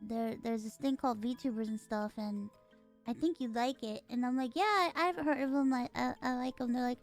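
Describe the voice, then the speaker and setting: A woman's voice: on the high side, moderate pace, faint music behind. A young woman chatting casually, telling stories with dramatic exclamations and quoted dialogue. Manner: animated storytelling, dramatic exclamations. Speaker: streamer. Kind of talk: casual chat.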